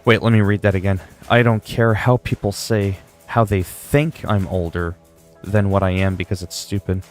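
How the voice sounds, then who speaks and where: Chatty low-voiced man in his forties. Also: flat delivery, normal speed, soft background music. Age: 40s. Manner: rambling, chatty, reads chat aloud and answers. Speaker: livestreamer. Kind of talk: casual livestream chat.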